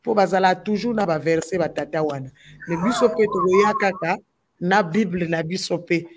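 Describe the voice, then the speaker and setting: Repeating phrases for emphasis, a female gospel musician from the DR Congo talks passionately in a talk-show discussion, with a Congolese French accent. Her voice is lowish and moderately paced, and the background is noisy.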